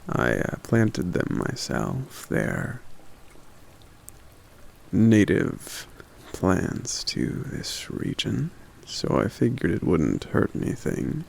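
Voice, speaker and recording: Guy doing a soft-spoken shy giant for asmr, super slow and really gravelly, kinda hesitant and polite. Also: huge pitch swings, full character voice. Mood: bashful, hesitant. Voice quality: very deep, gravelly. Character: gentle, courteous, shy giant living in the forest. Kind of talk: ASMR roleplay, speaking to the listener.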